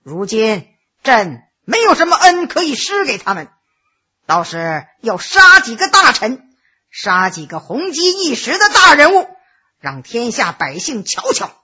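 A man's voice: very high voice, wildly swooping pitch, measured pace, bright, forceful tone, slightly rough, heavily acted. A woman voicing a stern, angry emperor who speaks coldly and with command, in a spoken story. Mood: furious. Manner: cold, commanding. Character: stern angry middle-aged male emperor.

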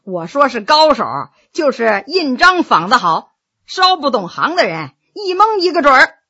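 An obsequious, self-assured court official from a historical tale, voiced by a woman. He sounds bright and high, with exclamatory, knowing delivery that moves freely up and down. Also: very animated, normal speed, dull audio, heavily acted. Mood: confident, explaining. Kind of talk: dramatized storytelling.

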